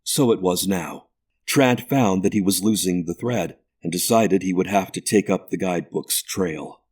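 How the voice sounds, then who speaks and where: A man narrating a ghost story audiobook in a measured, deliberate way. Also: deep voice, a little mellow, husky.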